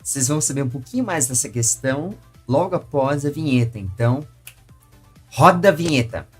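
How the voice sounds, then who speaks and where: A man with a husky, slightly rough voice at a middle pitch hosts a conversational interview. Faint music runs behind his voice. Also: expressive, moderate pace. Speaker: interview host.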